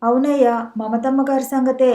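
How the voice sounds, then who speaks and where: A woman's voice: high-pitched, steady tone, normal speed, mellow, echoey room, close to an everyday voice. A woman voicing a frank, earnest village maidservant who speaks in rustic village dialect. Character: village maidservant, middle-aged, earnest and blunt.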